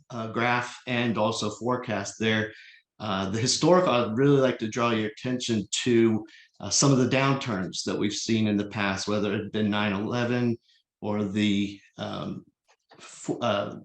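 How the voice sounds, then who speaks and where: A man giving a slide presentation at a virtual public meeting as a consultant, speaking in a measured, explanatory but halting and hesitant way. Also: on the low side. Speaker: consultant presenting an air cargo forecast. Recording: echoey, roomy voice pickup.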